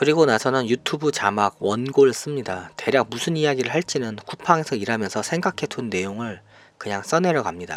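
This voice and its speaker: A man at a medium pitch, fairly quick pace and lively intonation. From South Korea. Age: 40s. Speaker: indebted small business owner vlogger. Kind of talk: scripted vlog narration.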